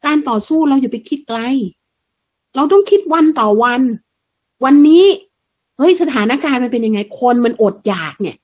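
A woman's voice: on the high side, animated, moderate pace, darkish tone. A woman giving a fiery, blunt political monologue, crude and mocking, full of rhetorical questions. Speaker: political commentator. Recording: dull lo-fi sound.

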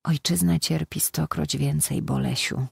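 A woman's voice: sits low, fairly even intonation, unhurried, vocal fry, a little mellow, breathy edge, no room sound, clean studio sound, full character voice. A woman reading a proud wounded young soldier. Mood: earnest. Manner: joking, then earnest and insistent.

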